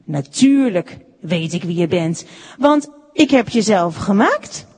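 A woman storyteller gives voice to a kind old woodcarver in a storybook, deep and strong yet gentle and fatherly. He speaks slowly and reassuringly, his lines full of lively rises and falls, inside a long, ringing reverb. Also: breathy edge. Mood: gentle, loving. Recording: echoey room with long reverb.

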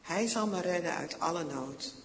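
A man voicing the young warrior David, earnest and calling out loudly. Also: a little high, expressive, moderate pace, big-room sound, a little hiss or hum. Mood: solemn.

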